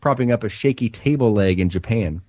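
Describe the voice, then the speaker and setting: A man co-hosting a comedy show, reading a scripted mock-serious introduction with a deadpan delivery. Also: on the low side, brisk, no echo. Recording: dull, dry close sound.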